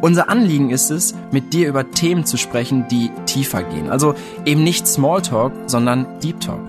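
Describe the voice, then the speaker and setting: Announcer: man, animated pitch, upbeat scripted intro, guitar bed behind. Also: normal speed. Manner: upbeat, inviting. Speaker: show announcer. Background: guitar music.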